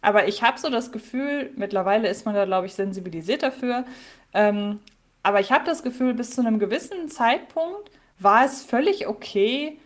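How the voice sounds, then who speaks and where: A woman's voice: a little high, animated, moderate pace. A woman co-hosting a podcast in casual chat, thinking aloud with lots of fillers and restarts. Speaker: podcast co-host.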